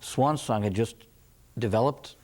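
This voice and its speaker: A man's voice: medium pitch, unhurried, a little mellow. A man hosting a casual music interview, conversational and prompting his guest with observations. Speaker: interviewer, show host.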